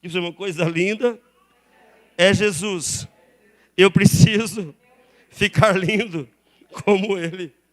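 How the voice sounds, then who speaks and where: A Brazilian pastor preaching a sermon in a church, calling on the congregation to repeat phrases and respond aloud. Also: male voice, high-pitched, fairly even intonation, takes it slowly, pauses often, a bit bright. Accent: Brazilian Portuguese. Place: church sanctuary.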